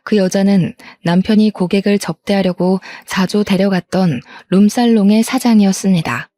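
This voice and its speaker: A woman in her fifties reading a scripted family drama story, sharp and indignant in dialogue and measured in narration. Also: medium pitch, no room sound.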